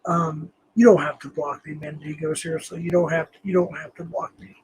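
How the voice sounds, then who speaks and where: A man hosting a casual livestream, hoarse and losing his voice, rambling and reading the chat aloud. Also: a little high, level tone, brisk, a little hiss or hum, poor audio. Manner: rambling, reads chat aloud, frequent ums. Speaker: livestream host.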